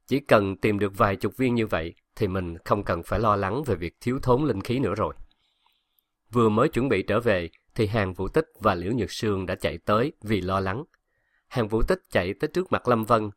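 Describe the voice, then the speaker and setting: A man reads a fantasy novel aloud in a lowish voice, keeping his delivery steady and even. The sound is dry and close, with no room around it. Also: dry recording. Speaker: audiobook narrator. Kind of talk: scripted narration of a web novel.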